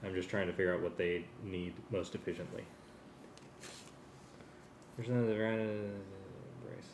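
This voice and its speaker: A man's voice: sits low, fairly even intonation, measured pace. A man thinking aloud hesitantly in casual working talk, as a music arranger sorting out cues. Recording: echoey room, some background noise.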